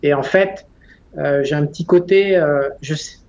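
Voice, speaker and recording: A man in his forties who talks bluntly and rambles, his voice sitting a little high. He laughs often and swears casually. The recording sounds dull and lo-fi. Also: a little slow, a little mellow. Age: 40s. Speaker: interview guest. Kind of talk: casual conversation.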